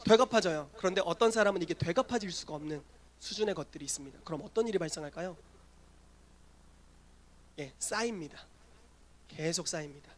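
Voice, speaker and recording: A man preaching a sermon as pastor, telling lively stories and asking the congregation questions. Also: high voice. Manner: animated storytelling, asks the congregation questions.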